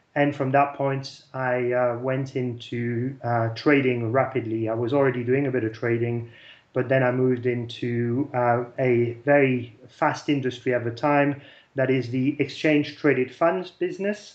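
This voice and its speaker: In a slight French accent, a man talks at a fairly slow pace with medium pitch and fairly even intonation. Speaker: company chairman. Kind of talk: interview. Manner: halting.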